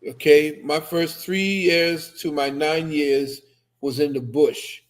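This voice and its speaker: A man's voice: on the high side, fairly even intonation, takes it slowly. An older man who grew up in Trinidad, telling stories and lecturing with conviction on a casual video call. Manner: emphatic storyteller, lectures with conviction. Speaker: co-host. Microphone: webcam on video call.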